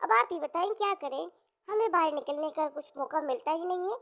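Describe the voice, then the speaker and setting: A woman's voice: very high-pitched, a little fast, creaky, a bit bright, heavily acted. A woman voicing a worried, conciliatory young daughter in a children's story, pleading and placating. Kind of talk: children's moral story character acting.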